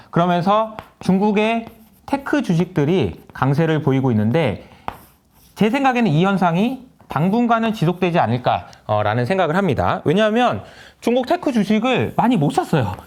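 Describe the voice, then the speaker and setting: A middle-aged man gives solo investment commentary with a lively, swooping delivery. His voice sits somewhat high for a man. He keeps the talk vivid by acting out little scenes. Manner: lively, acts out dialogue between countries and companies. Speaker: investment lecturer.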